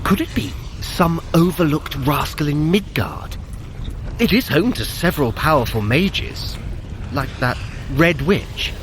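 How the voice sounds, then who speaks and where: Trickster god for audio drama: sardonic, haughty, swooping intonation, clear effects noise in the background. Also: male voice, on the high side, animated, unhurried. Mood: scheming. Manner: wry, teasing, theatrically haughty. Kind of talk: scripted audio adventure drama.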